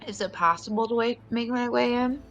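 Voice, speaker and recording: A woman's voice: a little high, a little fast, fairly bright tone, muffled recording, soft background music. A woman talking casually as a player in a tabletop roleplaying game.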